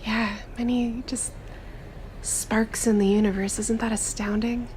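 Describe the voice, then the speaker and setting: A woman's voice: on the high side, little pitch movement, measured pace, darkish tone, slight background noise, lightly acted. A woman playing an eager, chatty young traveler in a tabletop roleplay, with gushing, informal, stop-start chatter. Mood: awed, excited.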